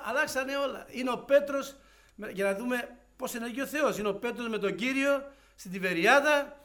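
A man preaching an evangelical sermon, shifting between hushed storytelling and loud fervent exclamations and acting out dialogue. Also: very high-pitched. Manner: acts out dialogue in quoted voices.

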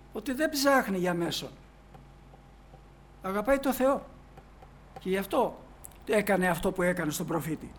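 A man preaching in a storytelling way, reading old scripture verses slowly and then explaining them in everyday speech, with many "he says" asides. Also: high voice. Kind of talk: sermon retelling a Bible story.

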